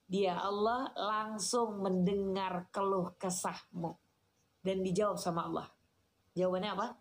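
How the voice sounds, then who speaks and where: A woman, giving a lively, chatty sermon and answering questions from the audience. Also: medium pitch, a little slow, a little hiss or hum. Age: 40s. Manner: chatty, teasing, addresses listeners as "Kak". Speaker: Islamic preacher.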